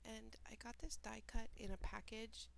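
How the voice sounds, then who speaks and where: A woman with a head cold narrates her craft project, her voice stuffy and nasal, with a gravelly edge. She talks in an even, fairly flat tone, explaining each step plainly and adding small asides. Faint noise sits under the voice. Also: on the high side, normal speed. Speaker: mixed media artist. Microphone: home voiceover recording.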